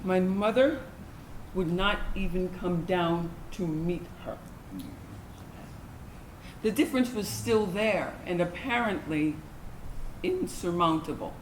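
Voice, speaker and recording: Young gay woman recalling coming out, played by a woman, unhurried stage monologue, roomy sound. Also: fairly low pitch. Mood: hurt, reflective. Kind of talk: dramatic monologue in a staged reading. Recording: echoey room, faint background noise.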